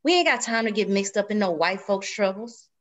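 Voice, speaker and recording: A woman's voice: medium pitch, lively intonation, fairly quick, close to an everyday voice. A woman reading the part of a worried, stubborn pregnant wife in her thirties, scolding in rural Southern speech in a drama table read. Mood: distrustful, scolding.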